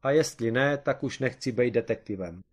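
At a medium pitch, a man lightly acts the part of an excitable, plotting amateur detective in a comic storybook reading. He keeps the delivery eager and explanatory, with his voice raised.

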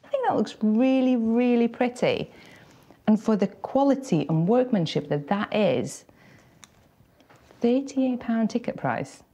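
Inside a large shop, an antiques expert in her forties presents to camera, telling stories in an animated, theatrical style. Her voice sits on the high side and moves at a measured pace.

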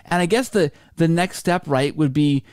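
A man in his thirties hosting a podcast over a video call, thinking aloud in halting, repeated phrases. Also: a little high, a little mellow, clean tone, dry recording, clean studio sound. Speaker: podcast host. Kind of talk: casual podcast discussion. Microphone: video call microphone.

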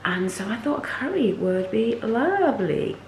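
A woman in her forties, a little hoarse from a cold, chatting to camera in her home kitchen with lots of ums and "okay?". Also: on the high side, very animated, unhurried. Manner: chatty, many ums, stresses points with "okay?". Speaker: cooking vlogger. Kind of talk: chatty cooking vlog to camera. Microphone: handheld camera close to face. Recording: echoey kitchen with faint hum.

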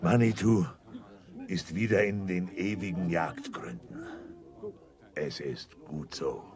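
An actor playing a stern, suspicious, reverent Native American chief in a children's audio drama, husky and solemn. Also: male voice, sits low. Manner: slow, solemn, forceful. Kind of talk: 1980s German children's audio drama acting.

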